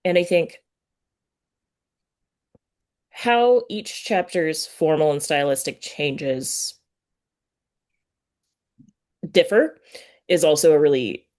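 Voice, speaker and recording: Low-voiced woman interviewer, halting and thoughtful. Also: darkish tone. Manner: halting, self-correcting, thinking aloud with sighs. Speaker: podcast host interviewing an author. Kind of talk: casual interview chat.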